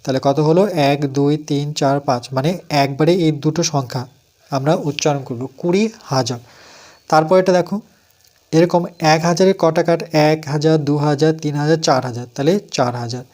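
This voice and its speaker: A man with a West Bengal accent walks through a primary math lesson step by step, counting aloud and posing questions he answers himself. His voice is fairly high and darkish in tone, and he talks a little fast.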